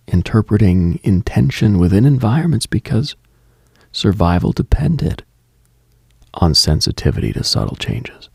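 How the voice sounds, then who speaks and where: Deep, husky, slow-talking late night man. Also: no room sound, clean studio sound. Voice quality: husky, gravelly. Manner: brooding, hushed, deliberate with long pauses. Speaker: late night radio host. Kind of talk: slow, contemplative late night radio monologue, ASMR-like.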